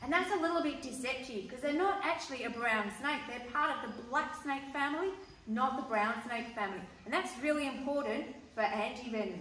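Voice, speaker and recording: The woman uses a raised, projected voice at a moderate pace. There is audible room echo along with light background noise. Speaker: presenter. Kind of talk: casual educational commentary. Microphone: phone near.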